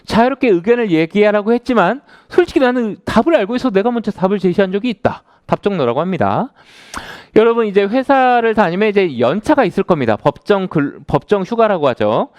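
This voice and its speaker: Male lecturer in his thirties, lively rising-and-falling delivery, smooth clear voice, dry close sound. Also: high-pitched, fairly quick, dry recording. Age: 30s. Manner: conversational, asks the audience questions. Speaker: author giving a lecture. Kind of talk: lecture to a live audience.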